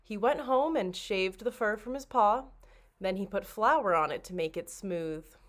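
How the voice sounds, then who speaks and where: Woman, children's librarian, storybook narration, medium pitch, expressive, dramatic. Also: unhurried. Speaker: children's librarian reading aloud.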